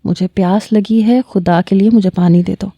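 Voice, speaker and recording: A proud young man, now helpless, strains to plead, as a woman narrator voices him. The voice stays dark and mellow, clipped with suppressed anger. It is recorded dry and close. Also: mid-range voice, dry recording, lo-fi sound, close to an everyday voice. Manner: strained, pleading, then threatening. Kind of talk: audio story reading.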